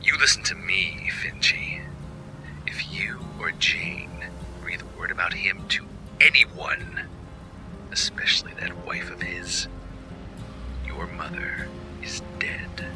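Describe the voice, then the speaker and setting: An actor playing a cold, taunting kidnapper in an audio drama, threatening deliberately in a breathy half-whisper. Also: male voice, low-pitched, animated, over music, low-quality recording. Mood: menacing, taunting. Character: menacing male kidnapper, cold and taunting villain.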